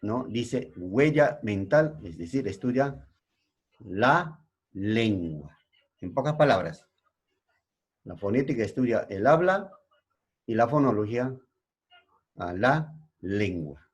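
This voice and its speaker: A middle-aged male secondary school teacher with a Peruvian Spanish accent gives a slow classroom lesson. He keeps checking in with his pupils. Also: on the low side, lively intonation, slightly rough. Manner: slow, explanatory, frequent checking tags.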